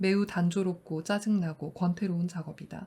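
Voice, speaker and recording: A woman speaks at a moderate pace in a dark, mellow tone that is calm, soothing and somewhat breathy. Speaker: audiobook narrator. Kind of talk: literary fiction reading.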